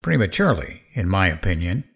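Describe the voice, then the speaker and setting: A cocky radio talk-show host with a lowish, animated voice. He narrates dramatically and needles like an interrogator, sardonic and bent on revenge. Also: fairly quick, creaky, slightly rough, exaggerated voice. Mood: grim, accusing. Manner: sardonic, goading.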